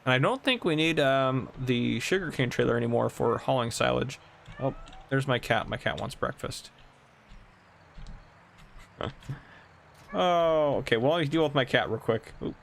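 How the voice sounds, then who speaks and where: A man's voice: mid-range voice, unhurried, vocal fry, pauses often, slight background noise. A man in his twenties chatting casually while playing a farming game at home, rambling and laughing often. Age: 20s. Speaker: gaming channel host. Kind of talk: casual gameplay commentary. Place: home room.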